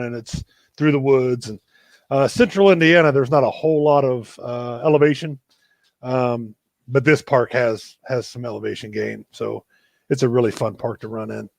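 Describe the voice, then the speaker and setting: Brief: male host, gravelly voice, dry close sound, easygoing storyteller on a video call. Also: medium pitch, normal speed, dry recording. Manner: relaxed, self-deprecating storyteller. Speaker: running coach and show host. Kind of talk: casual storytelling in a live video chat.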